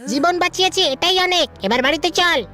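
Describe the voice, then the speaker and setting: A woman voicing a cheeky, slow-witted boy in a cartoon, brash and unbothered. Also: very high-pitched, expressive, bright, forceful tone, exaggerated voice. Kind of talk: cartoon voice acting.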